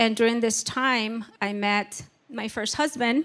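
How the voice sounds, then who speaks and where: Recorded very cleanly against a silent background, a woman speaks very slowly in a fairly high, monotone, flat voice. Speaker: church member giving testimony. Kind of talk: testimony. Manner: hesitant, many fillers.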